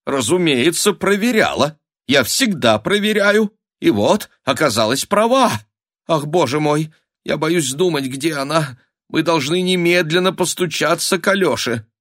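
A shrill, melodramatic old countess, put on by a man reading. She wails and gasps her words in high-strung bursts, every sentence a small catastrophe, in a dry, close sound. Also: animated, a little slow, fairly bright tone, no room sound. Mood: self-righteous. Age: older. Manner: wailing, breathless, melodramatic exclamations. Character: hysterical aging countess mother, shrill and dramatic.

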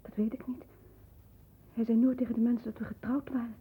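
An actress playing a frightened, devoted young woman in a 1960s radio play, breathy, hushed and anguished, on a muffled old recording. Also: a little high, little pitch movement, fairly quick. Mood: frightened whispering. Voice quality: breathy, husky.

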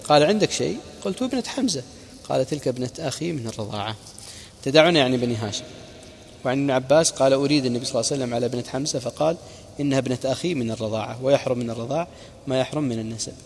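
Gravelly-voiced man teaching religious history. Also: mid-range voice, racing, in a large hall, a little hiss or hum. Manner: narrates reports and quoted speech with brief asides. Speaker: preacher.

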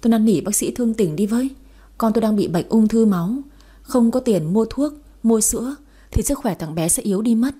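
A woman's voice: medium pitch, lively intonation, a little fast, dark tone, breathy edge. A woman voicing a young, poor mother who pleads tearfully for her sick son, in an audio story. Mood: pleading.

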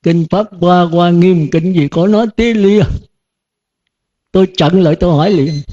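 Older monk giving a folksy sermon. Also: male voice, high voice, fairly even intonation, normal speed, dark tone. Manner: folksy, rhetorical questions, chuckles often. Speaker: Buddhist monk teacher. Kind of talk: dharma talk to disciples. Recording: dull lo-fi recording.

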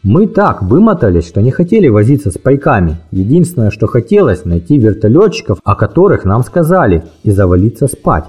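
Husky mellow man reading a memoir. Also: fairly quick, few pauses, soft background music. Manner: lively storytelling, voices dialogue with raised pitch. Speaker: audiobook narrator. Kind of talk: first-person audiobook reading.

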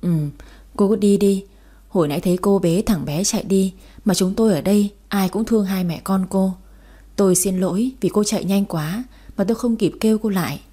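A woman's voice: medium pitch, brisk, warm tone, slightly rough, close to an everyday voice. A woman doing a kindly fellow patient. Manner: sympathetic, apologetic. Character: kindly older woman patient in the next bed.

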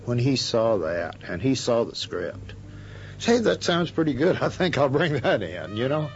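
A man's voice: medium pitch, sing-song, unhurried, soft background music. An American man recollecting informally in an interview, blunt and emphatic. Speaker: interviewed author. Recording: dull interview tape with faint noise.

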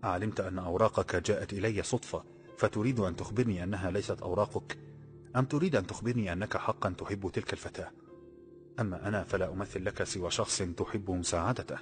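A man's voice: fairly low pitch, very fast, soft background music, natural voice. A man reading a brooding, lovesick young woman. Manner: soft, inward, questioning.

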